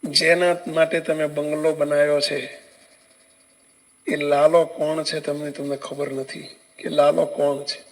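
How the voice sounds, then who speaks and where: A man voicing a calm, all-knowing old holy man in measured, softened tones during a religious story. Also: fairly high pitch, voice pushed down, poor audio. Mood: preaching.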